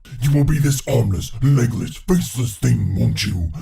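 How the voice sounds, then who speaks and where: Putting on a character voice, a man speaks with an audible echo. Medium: tutorial demo.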